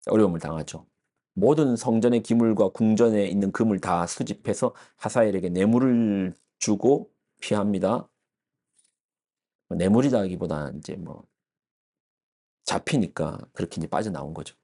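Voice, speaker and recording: A man's voice: lowish voice, moderate pace, mellow. A male pastor giving an early-morning sermon, explaining the passage with frequent fillers and restarts. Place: church.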